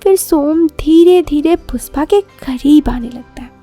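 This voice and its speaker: A woman's voice: high voice, measured pace, warm tone, soft background music. A woman narrating a scripted romantic story as a podcast storyteller.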